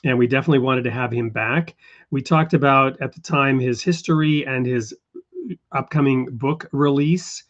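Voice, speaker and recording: A man hosts an interview show in a calm, conversational manner, with an occasional "um". His voice sits at a middle pitch. The recording sounds somewhat dull and lo-fi. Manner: measured, conversational, a few fillers. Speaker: host. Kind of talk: hosting an interview talk show.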